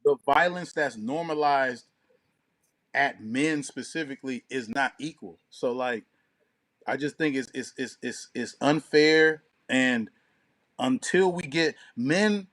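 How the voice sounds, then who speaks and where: A man's voice: mid-range voice, slow, fairly bright tone. A man co-hosting a talk show in casual, opinionated discussion, with a slangy and profane way of talking.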